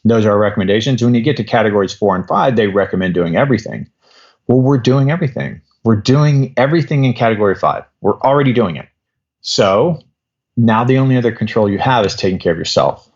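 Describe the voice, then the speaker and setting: Low-voiced man in his fifties, rambling. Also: expressive, fast talker, darkish tone, highs cut off. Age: 50s. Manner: rambling explanatory, many restarts. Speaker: guest doctor. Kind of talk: podcast interview.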